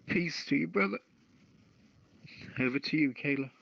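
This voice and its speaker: A man co-hosting an online radio show in casual chat, talking in a halting, deliberate way over a phone-like app connection. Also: a little high, gravelly, breathy edge, no echo. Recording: phone-like two-way app audio.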